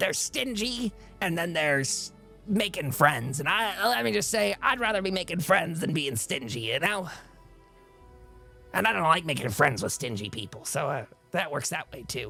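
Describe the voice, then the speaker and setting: A man's raspy, put-on character voice, fairly high in pitch, at a moderate pace over faint background music. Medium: actual play. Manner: rambling, fast-talking, shifty.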